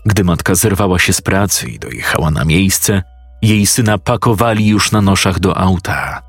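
A man narrating a horror story in a measured, storytelling manner. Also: deep voice, expressive, husky, dry recording, soft background music.

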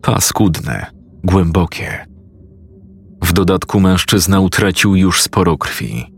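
A man reading a first-person horror story in a grave, measured, scripted way. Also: low voice, lively intonation, gravelly, breathy edge. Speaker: narrator.

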